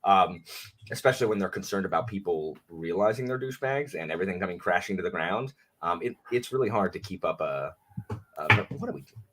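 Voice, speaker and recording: A man's voice: deep voice, lively intonation, a little fast, background noise. A man chatting casually as a guest on a live stream, rambling and self-deprecating with lots of restarts.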